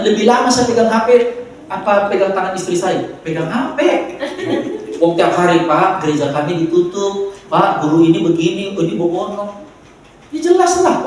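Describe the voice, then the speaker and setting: Joking pastor with a Medan accent, echoey hall. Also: male voice, high voice, a little hiss or hum. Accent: Medan Indonesian. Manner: joking, playful preaching with audience asides. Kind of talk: sermon. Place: large church hall. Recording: very echoey hall, mic far off.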